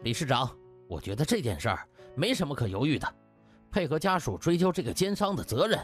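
A man's voice: on the high side, big pitch swings, a little fast, faint music behind. A man voicing a righteous, indignant young male doctor in an audiobook, resolute and emphatic. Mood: righteous indignation.

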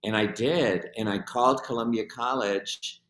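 A man's voice: mid-range voice, unhurried, a bit bright. Reflective older man, echoey room. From Argentina. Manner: reflective, hesitant with many fillers. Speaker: guest, film teacher. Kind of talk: interview answers. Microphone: webcam on video call.

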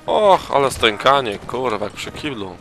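A man's voice: medium pitch, big pitch swings, normal speed, fairly bright tone, a little hiss or hum. A tired man giving crude casual gaming commentary, swearing heavily and throwing in mock battle cries. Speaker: let's play gamer.

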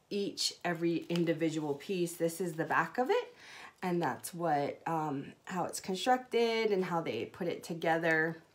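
A woman in her thirties from Hawaii, chatting through a live jewelry sales show with many ums, recorded on a phone in a small indoor room. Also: lowish voice. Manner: chatty, many ums, upbeat product talk. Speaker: jewelry seller.

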